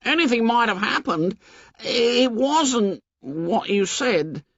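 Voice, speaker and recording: A man voicing a shrill, nearsighted, anxious schoolboy who talks in rough, ungrammatical boy's speech. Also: expressive, slow, a bit bright, no room sound, highs cut off, full character voice. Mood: agitated. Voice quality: shrill, pleading.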